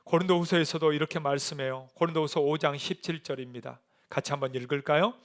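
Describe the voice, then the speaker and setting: A male pastor preaching a sermon. He moves from soft, hushed reflection to loud, rising appeals to the congregation. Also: a little high, steady tone, fast. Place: church sanctuary.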